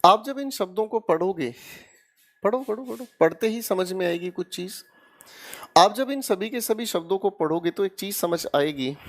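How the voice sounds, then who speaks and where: A man with an Indian accent teaching English grammar in an online exam-prep lecture, coaxing students and checking again and again that they follow. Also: high voice. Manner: coaxing, keeps checking students with "haan ya na?" and "theek hai beta?".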